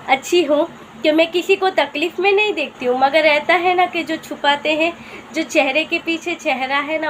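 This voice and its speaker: A woman's voice: sits high, a bit bright, slight background noise. A woman vlogger giving chatty, gossipy commentary on other vloggers, talking straight to her viewers. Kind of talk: casual commentary vlog.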